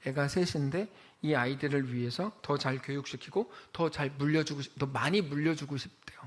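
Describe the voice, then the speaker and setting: A man preaching a sermon as pastor of a church, telling a story in a lively way and acting out the quoted voices of the people in it. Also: on the high side, a little fast. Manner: animated storytelling, acts out quoted voices, exclaims.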